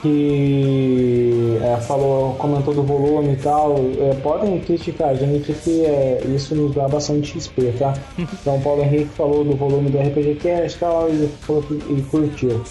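A man's voice: fairly high pitch, flat delivery, measured pace, dark tone. A young Brazilian man with a Brazilian Portuguese accent, co-hosting a podcast in casual, joking chat and swearing freely. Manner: jokey, swears freely, laughs a lot. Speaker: podcast co-host. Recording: roomy echoey home recording. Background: faint guitar music.

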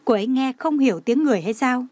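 A woman's voice: high-pitched, expressive, quick pace, a little mellow, no room sound. Woman reading as an exasperated male director. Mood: despairing rant. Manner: exasperated, ranting.

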